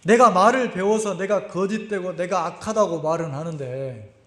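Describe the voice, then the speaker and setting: A man's voice: sits high, normal speed, fairly bright tone. A male pastor preaching a sermon in a conversational way, acting out scenes and asking the congregation questions. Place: church sanctuary. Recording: echoey church sanctuary.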